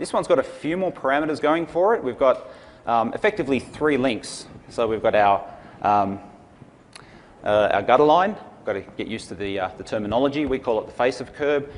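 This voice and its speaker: With an Australian accent, a man of medium pitch talks at a fairly quick pace using lively intonation. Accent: Australian accent, remarked on himself. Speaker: technical consultant presenting software training. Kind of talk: conference lecture with software demo. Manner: fast, with filler words.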